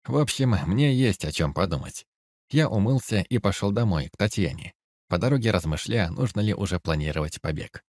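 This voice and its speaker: Deep-voiced man reading a novel. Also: dry recording, studio quality. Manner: steady, even storytelling. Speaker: audiobook narrator. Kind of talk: first-person novel narration.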